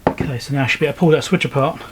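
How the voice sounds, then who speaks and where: A man giving casual, low-key commentary as he works, thinking aloud step by step like a repair video host. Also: very fast, background noise. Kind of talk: casual hands-on commentary while working. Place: indoor repair workbench.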